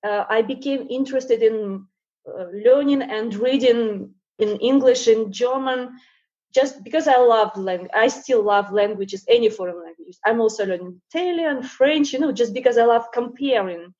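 A woman's voice: a little high, moderate pace, darkish tone, lo-fi sound. A woman in her thirties, born in Russia with Russian as her first language, chatting as an interview guest, hesitant with many fillers. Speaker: guest, painter. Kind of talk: casual interview chat.

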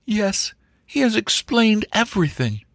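Man doing a high, dramatic young woman. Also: very animated, a little slow, vocal fry, fairly bright tone, dry recording, studio quality, exaggerated voice. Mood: pleading, defiant. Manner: high, exclamatory. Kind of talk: comic storybook reading.

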